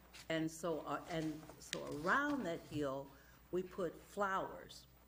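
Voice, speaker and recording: Audible room echo surrounds a woman whose voice sits fairly low in pitch. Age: 70s. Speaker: community volunteer. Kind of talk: public comment at council meeting. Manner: halting.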